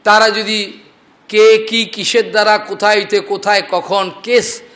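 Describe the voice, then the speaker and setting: A man's voice: sits high, flat delivery, unhurried, fairly bright tone. An older man giving a devotional discourse on scripture, explaining verses and asking and answering his own questions. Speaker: preacher.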